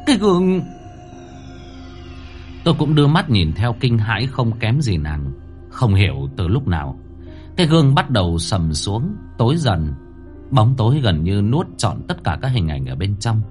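A male storyteller with a low voice reads a horror tale dramatically, his pitch swinging widely to build suspense. Faint music plays underneath. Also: a little mellow. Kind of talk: scripted horror story narration.

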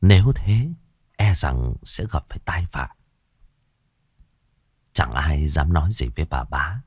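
Deep-voiced male ghost story narrator. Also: expressive, breathy edge, no echo, studio quality. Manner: measured, suspenseful storytelling.

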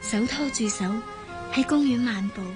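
Radio play: an actress as a dreamy young Hong Kong student, high-voiced, music behind. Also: female voice, moderate pace, close to an everyday voice. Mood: daydreaming. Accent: Hong Kong Cantonese. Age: young adult. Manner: lively, sulky, dreamy. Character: young woman student, spirited, romantic daydreamer. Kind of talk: radio drama acting. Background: background music.

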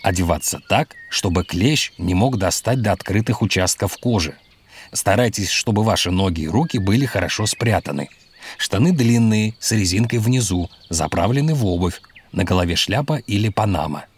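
Man as a calm, instructive doctor, slightly low voice, kids' audio storybook. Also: moderate pace, slight background noise, natural voice. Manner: calm, instructive, explains patiently. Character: calm adult doctor out picking mushrooms.

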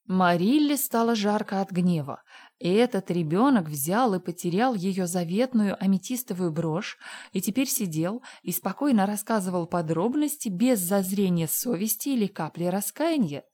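A woman narrating a dramatized audiobook in a measured storytelling manner. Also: mid-range voice, animated, warm tone.

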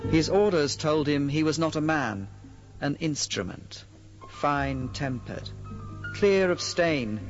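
Slow, deliberate man reciting poetry. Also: medium pitch. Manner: deliberate, weighted phrasing. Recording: dull archive-style recording under music. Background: clear instrumental music.

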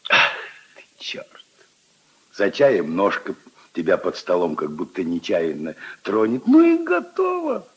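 An actor playing an old retired general, a gruff but kindly grandfather figure who reminisces and grumbles wryly, in a 1950s radio play. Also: deep voice, wildly swooping pitch, a little slow, heavily acted. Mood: mocking reminiscing. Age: older. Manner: wry, reminiscing, grumbling storyteller.

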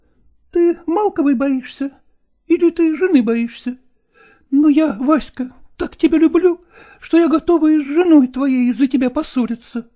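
A man's voice: extremely high pitch, moderate pace, dark tone, voice pushed up. A man reading aloud, voicing a young actress who pleads tearfully and passionately with her lover. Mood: pleading.

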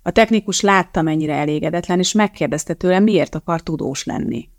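An audiobook narrator tells the story in a measured, even reading voice. The tone is gravelly and it sits close to the mic in a dry, dead space. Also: medium pitch, no echo. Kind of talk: scripted narration.

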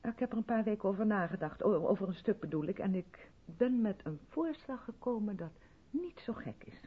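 An actress playing an effusive, self-absorbed white South African theatre director in a 1970s Dutch radio play, chatty and patronising in a theatrical way. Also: female voice, mid-range voice, animated, fairly quick, breathy edge. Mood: rapturous, dramatic. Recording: dull vintage radio recording.

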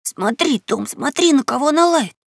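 A woman voicing a frightened young boy who talks in hushed whispers, in an audiobook reading. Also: mid-range voice, sing-song, moderate pace, gravelly, slightly rough, dry recording, studio quality, full character voice. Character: scared boy whispering at night.

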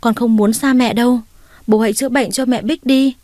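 A woman's voice: a little high, normal speed, mellow, no room sound, clean studio sound, pitched above the performer's own voice, close to an everyday voice. A woman voicing a small girl who begs her father through tears in a storybook reading. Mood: pleading. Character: small girl pleading tearfully.

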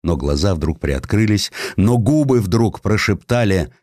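A man with a very low voice narrates a historical audiobook in a dramatic, deliberate manner. His delivery is highly animated, with pitch that moves widely. The recording is dry and close, with no room sound. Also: no room sound.

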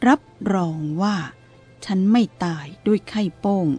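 Woman reading as a calm old abbot. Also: mid-range voice, measured pace, faint music behind, lightly acted. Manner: steady, even-toned, dry teasing. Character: calm elderly male abbot, teasing and unruffled.

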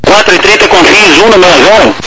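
A man's voice: high voice, fairly quick. A man working as an air traffic controller, giving clipped procedural instructions over a crackly military-sounding radio. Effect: crackly aviation radio, like military radio. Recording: very noisy crackly radio transmission.

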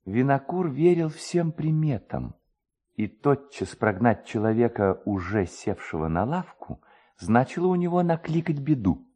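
A man narrating a literary tale as an expressive storyteller. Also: mid-range voice, a little slow.

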